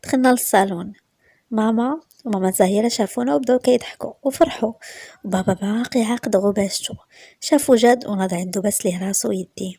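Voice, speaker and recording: A woman with a Moroccan accent narrating a romance story in the first person, in a soft, often whispered delivery. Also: mid-range voice, fast talker, breathy edge, dry recording.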